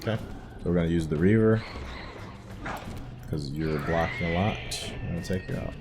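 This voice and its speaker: A man's voice: sits low, normal speed, over music. A man giving casual playthrough commentary on a video game, thinking aloud in a musing, hesitant way. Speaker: gaming channel host.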